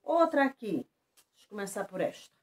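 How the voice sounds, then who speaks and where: A Brazilian woman teacher giving a lesson to schoolchildren, stressing example words slowly and clearly. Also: medium pitch. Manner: lively, slow and emphatic on example words. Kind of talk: remote lesson for children.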